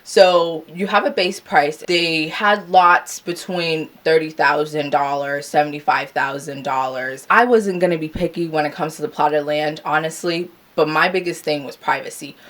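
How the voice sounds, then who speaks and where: A young woman talks straight to the camera in a loose, chatty vlog. Her voice sits low for a woman, and she gets animated and laughs at her own asides as she goes. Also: moderate pace, hardly any pauses. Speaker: vlogger. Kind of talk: casual chat to camera.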